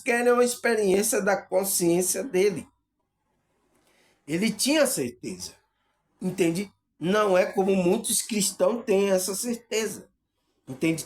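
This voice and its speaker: A man with a Bahian Brazilian accent gives a spiritual teaching monologue to his viewers, often pausing on hesitant fillers and checking whether they understand. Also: sits high. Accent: Bahian Brazilian Portuguese. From Salvador, Bahia, Brazil. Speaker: spiritual video host.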